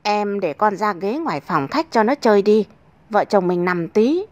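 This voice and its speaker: A woman's voice: medium pitch, lively intonation, moderate pace, darkish tone, dry recording, lo-fi sound, lightly acted. Woman playing a coaxing young husband. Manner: coaxing, cajoling. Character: playful young husband coaxing a crying toddler.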